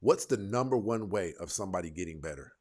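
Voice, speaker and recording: A man's voice: deep voice, expressive, a little mellow. Confrontational male debate show host. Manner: confrontational, fires rapid leading questions. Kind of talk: live call-in debate show.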